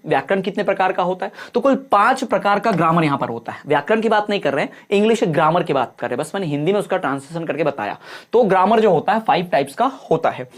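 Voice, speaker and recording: Man teaching an exam-prep lesson. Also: high voice. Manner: explains in Hindi, reads English questions slowly, repeats answers.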